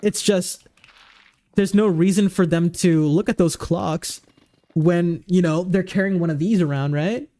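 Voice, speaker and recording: A man's voice: high-pitched, measured pace, warm tone. A man in his twenties chatting casually on a livestream, rambling with lots of fillers and restarts, goofy and easygoing. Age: 20s.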